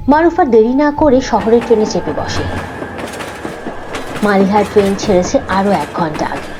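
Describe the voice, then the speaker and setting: A woman's voice: mid-range voice, background noise. A woman narrating a scripted cartoon story.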